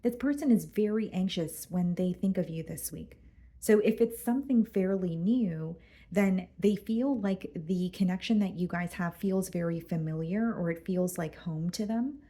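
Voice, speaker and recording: A woman doing a casual tarot reading, going hoarse and clearing her throat as she talks through the cards with some hesitation. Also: on the low side, dark tone. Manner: careful, hesitant, repeats words. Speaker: tarot reader.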